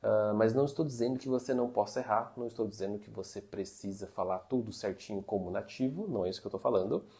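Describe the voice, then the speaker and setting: A man's voice: mid-range voice, creaky, mellow. A man teaching Mandarin tips in a chatty, casual monologue, full of fillers. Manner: chatty, uses many fillers like "né" and "tá".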